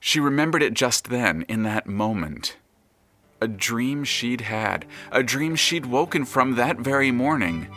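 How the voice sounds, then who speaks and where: A man narrating an audio drama from a script in a measured, dramatic, storybook-like manner. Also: medium pitch, expressive, pushed and bright, faint music behind.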